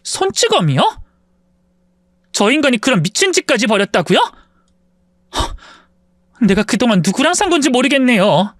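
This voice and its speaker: A man's voice: very high voice, animated, fairly quick, pauses often, no echo. A man voicing a hurt middle-aged wife who speaks indignantly. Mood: shocked.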